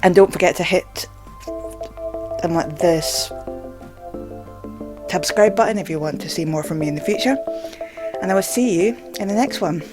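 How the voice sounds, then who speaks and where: A video blogger with a mid-range voice talks over music at normal speed, pausing often. The casual, rambling talk to camera is hesitant and stammering, heavy on the word "like."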